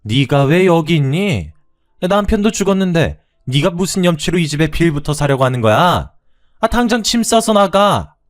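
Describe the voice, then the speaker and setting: A man voicing a harsh, scornful older mother-in-law who yells insults, in a radio story. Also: very animated, normal speed. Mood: scornful yelling. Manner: shrill, yelling insults.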